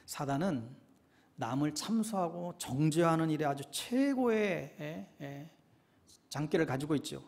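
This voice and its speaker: A man's voice: a little high, gravelly. A male pastor preaching a sermon, often asking the congregation rhetorical questions.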